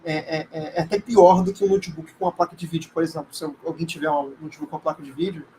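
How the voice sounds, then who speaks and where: A man's voice: fairly high pitch, steady tone, quick pace, mellow, slight background noise, rough recording. A man with a Brazilian accent, a native Portuguese speaker, giving an informal live lecture in a hesitant, conversational way with frequent check-in questions. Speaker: teacher.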